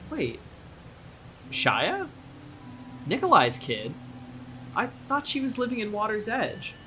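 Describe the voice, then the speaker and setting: Woman acting lively, blunt small-town local. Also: medium pitch, slight background noise, exaggerated voice, low-quality recording. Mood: apologetic, friendly. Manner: casual, halting, animated. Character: casual, blunt small-town local, young adult, wary of outsiders. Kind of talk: audio drama, naturalistic dialogue.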